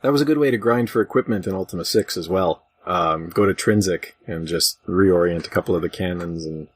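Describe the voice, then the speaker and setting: Lowish-voiced male podcast host, faint noise. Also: a little fast. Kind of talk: casual chat. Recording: slightly noisy online voice chat.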